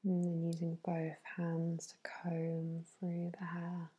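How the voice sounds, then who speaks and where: A woman whispering a soothing, unhurried ASMR massage narration in a hushed, breathy bedtime voice. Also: on the low side, monotone, lo-fi sound. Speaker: facial massage therapist.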